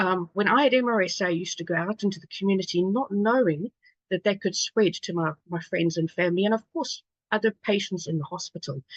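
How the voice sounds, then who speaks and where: A woman with a South African accent and a medium pitch, at a fairly quick pace with ordinary pitch variation. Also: dry, close sound with no echo. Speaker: patient advocate, AMR survivor. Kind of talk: conference presentation.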